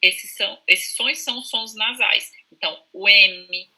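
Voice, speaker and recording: A Brazilian woman speaks with a strikingly bright, forceful tone, her pitch sitting in an ordinary middle range. As a speech therapist she explains patiently and pronounces sample sounds aloud to show them. She talks over a video call. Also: a little slow, slightly rough, rough recording. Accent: Brazilian Portuguese. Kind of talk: explanatory interview answers.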